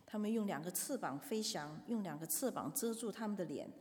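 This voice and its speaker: A woman's voice: medium pitch, lively intonation, brisk, a little mellow. A woman interpreting a sermon live in a church, hesitant, with fillers and self-corrections. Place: church hall. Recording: long hall reverb.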